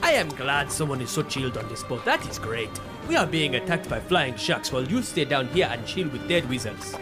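A man's voice: medium pitch, very animated, fairly quick, music in the background. A man playing in a fantasy role-playing podcast, casually describing his character's moves.

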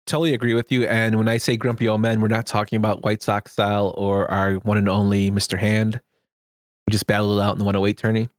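Podcast guy reading off movie credits, relaxed, dry close sound. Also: fairly low pitch, fairly quick, no room sound. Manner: relaxed, reads out film credits. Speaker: podcast co-host. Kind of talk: casual movie chat.

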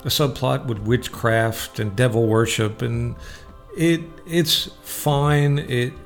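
A man's voice: medium pitch, steady tone, slow, faint music behind. A man hosting a radio show, giving casual, opinionated film reviews in a conversational way.

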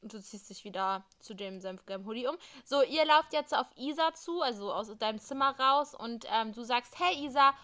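Brief: woman co-host, bright tense voice, reading a story game aloud in a lively sing-song. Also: on the high side, moderate pace, hardly any pauses. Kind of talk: casual reading of an interactive story with asides.

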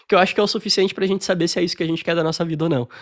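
Racing along in a high-pitched voice, this young Brazilian podcast guest recounts his story on a video call. His Brazilian Portuguese accent shows, and the casual interview chat is relaxed and packed with fillers.

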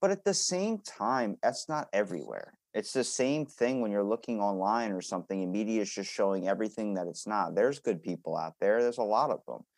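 A man's voice: fairly low pitch, expressive, brisk, hardly any pauses, a little mellow. A man hosting a casual interview chat, talking in a joking, teasing way with some swearing. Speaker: podcast host.

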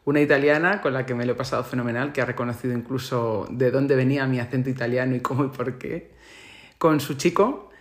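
Man, Spain Spanish accent, solo podcast monologue, reflective, thoughtful, pauses for words, middle pitch. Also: steady tone.

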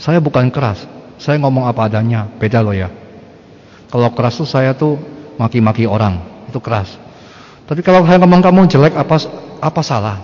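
A man's voice: mid-range voice, lively intonation, fairly quick, pauses often, darkish tone, long reverb tail, muffled recording. An older man, a Catholic priest, preaching a sermon bluntly and conversationally, often asking rhetorical questions.

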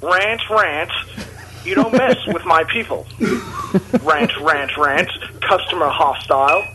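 A man's voice: a little high, takes it slowly, pushed and bright. A man with a New Zealand accent leaving a playful voicemail, hesitant and full of fillers, recorded over a phone line. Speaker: caller. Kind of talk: voicemail with mock interview. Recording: phone line with faint noise.

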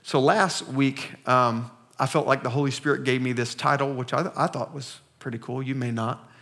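A man in his thirties, a pastor giving a sermon with slow, emphatic scripture reading and call-and-response to the congregation. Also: mid-range voice, steady tone, a bit bright. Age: 30s.

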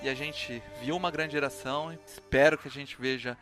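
A man's voice: mid-range voice, fairly even intonation, a little fast. A Brazilian man hosting a casual live sports show. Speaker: host. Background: music.

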